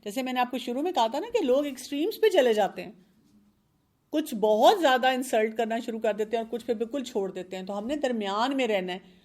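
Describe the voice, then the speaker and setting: A woman's voice: a little high, lively intonation, darkish tone. A middle-aged woman, a parenting expert, earnestly explaining discipline with examples from her own children and mixing in English words. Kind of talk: advice talk on a show.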